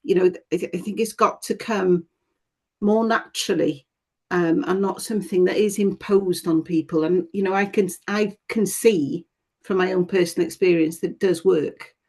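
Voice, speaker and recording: Husky-voiced panelist hedging with fillers. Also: mid-range voice, fairly even intonation, normal speed. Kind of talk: panel discussion.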